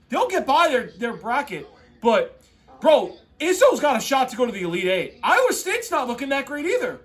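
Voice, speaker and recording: High-pitched, animated frat-bro guy. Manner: excitable frat-bro talk, heavy on "bro" and "dude". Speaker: host reacting to a tournament bracket. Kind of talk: casual off-the-cuff sports reaction.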